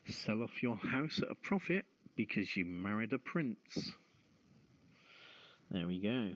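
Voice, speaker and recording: A man hosting a live voice-chat show, reading items aloud and chatting to listeners in a halting way. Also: fairly low pitch, no room sound. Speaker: host. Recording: dull lo-fi voice-chat audio.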